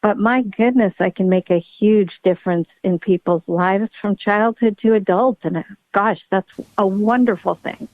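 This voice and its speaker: A woman's voice: mid-range voice, normal speed, hardly any pauses. A woman pediatric neurologist speaking as a podcast guest, explaining her work earnestly and upbeat. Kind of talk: podcast interview. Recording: dry tinny phone-like line.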